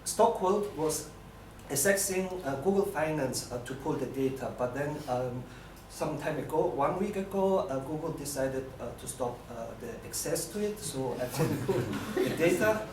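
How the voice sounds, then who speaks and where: A young man with an Austrian accent gives a live technical presentation in a halting, hesitant way. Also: on the high side, animated. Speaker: bootcamp graduate presenting a project. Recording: echoey room, distant mic, noisy.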